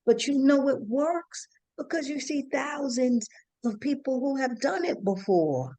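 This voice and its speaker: An American woman hosts a conversational, motivational podcast interview in a high, expressive voice with a dark tone and a measured pace. She is emphatic and likes to repeat phrases, and the recording has no echo.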